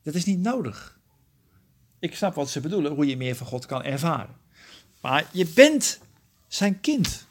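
A man with a somewhat higher voice teaches a small Bible study group. He works through the text verse by verse, correcting himself as he goes. He keeps turning to his listeners with questions to check they follow. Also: very animated, unhurried, long pauses. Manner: earnest, often asks the group questions; explains verse by verse, self-correcting.

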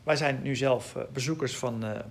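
A man's voice: mid-range voice, normal speed. A man giving informal Bible teaching in Dutch, reading scripture aloud and explaining it with emphasis.

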